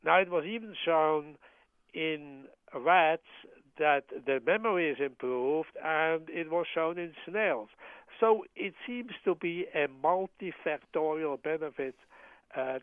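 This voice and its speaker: Interview guest: a man from Switzerland, measured and halting, on a tinny dry phone line. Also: fairly high pitch, dry recording. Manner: measured, hesitant with frequent uh fillers and restarts. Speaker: guest, professor of medicine.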